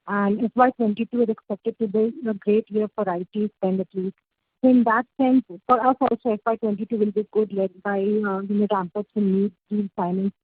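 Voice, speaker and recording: Husky woman on a narrow phone line. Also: mid-range voice, fairly even intonation, brisk, no room sound. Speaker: analyst asking questions. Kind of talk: earnings call questioning. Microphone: phone call.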